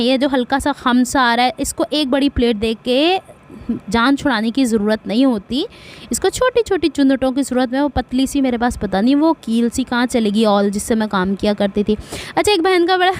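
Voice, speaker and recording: A middle-aged woman from Pakistan with a Punjabi accent, giving a chatty sewing tutorial and wandering into asides and blessings. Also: sits high. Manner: speaks slowly on purpose. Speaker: sewing vlogger.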